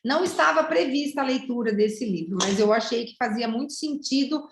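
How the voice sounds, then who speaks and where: A Brazilian woman leads a teacher training session over a video call. She talks in a chatty, lively way and keeps checking in with her listeners. Her voice sits a little high, and the room gives it a noticeable echo. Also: a little fast, noisy background. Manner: warm, lively and chatty, with many "né?" asides. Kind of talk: online teacher training lesson.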